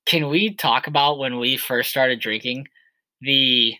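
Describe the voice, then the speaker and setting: Rambling twenty-something male co-host, bright tone, dry booth sound. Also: mid-range voice, unhurried, no room sound, low-quality recording. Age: 20s. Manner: rambling, heavy on filler words. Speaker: podcast co-host. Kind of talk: casual chat.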